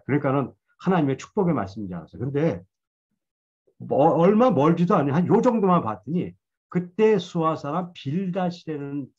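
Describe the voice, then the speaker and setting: A man with a medium-pitched, slightly breathy voice delivers a Bible lecture in a conversational, storytelling style, owning up to his past mistakes with self-deprecating humor. The audio is dull.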